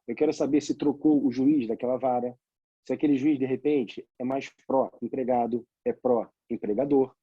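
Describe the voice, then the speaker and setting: A man's voice: medium pitch, steady tone, moderate pace, slightly rough, no echo, highs cut off. A man with a Brazilian Portuguese accent, a lawyer and law lecturer, telling a courtroom anecdote with rhetorical questions. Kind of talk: storytelling lecture.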